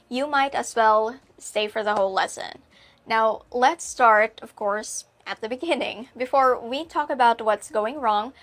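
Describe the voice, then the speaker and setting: Woman from the philippines doing a scripted advice video, higher voice, direct and measured. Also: a bit bright. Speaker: video channel host.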